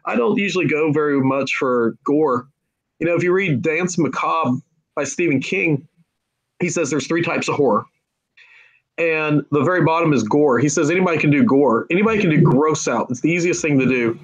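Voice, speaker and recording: A man's voice: a little high, moderate pace, rough recording. A man, the author of a horror story, chatting enthusiastically in a podcast discussion, rambling with fillers.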